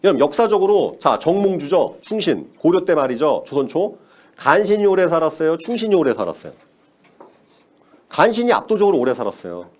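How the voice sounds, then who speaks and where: A man's voice: a little high, very animated, fairly quick. A man giving a motivational sales lecture, emphatic, repeating key words and asking the audience rhetorical questions.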